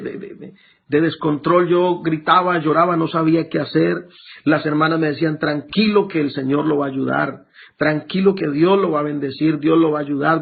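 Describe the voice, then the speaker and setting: A pastor giving an emotional sermon testimony to his congregation, halting and repeating words as he speaks. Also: on the high side, creaky, slightly rough. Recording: tinny lo-fi phone-like recording with faint music.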